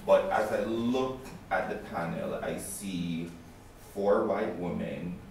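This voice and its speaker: A man's voice: sits low, slow, a little hiss or hum. A man in the audience asking a probing question at a press conference. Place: press club conference room. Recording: distant, very echoey room mic.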